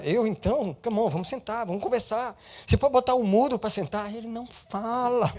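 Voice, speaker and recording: A male pastor preaching an animated sermon, swinging between loud and soft and slipping English words into his speech. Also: a little high.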